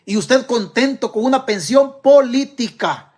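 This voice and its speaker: A man's voice: extremely high pitch, animated, unhurried, darkish tone, breathy edge. A man with a Salvadoran accent giving political commentary to camera, emphatic and firing rhetorical questions straight at his audience. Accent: Salvadoran Spanish.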